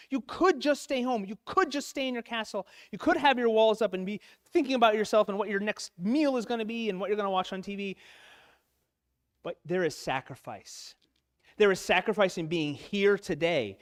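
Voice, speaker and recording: A man's voice: high voice, fairly bright tone. A man giving an earnest, emotional sermon to other men in a church, his voice catching as he speaks. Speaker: lay preacher at a men's church talk. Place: church sanctuary.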